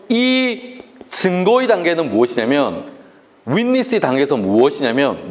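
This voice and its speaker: Animated Korean pastor, high lively voice. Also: male voice. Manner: animated, asks the audience questions. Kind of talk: discipleship class sermon to young adults.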